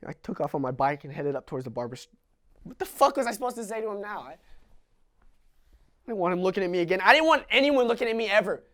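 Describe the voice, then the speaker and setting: A man's voice: high-pitched, very animated, fast. A young male actor playing a young man who recounts a traumatic childhood in a dramatic stage monologue, raw and confessional. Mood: bitter, raw. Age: young adult. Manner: raw and confessional, swinging between hushed recollection and sobbing screams.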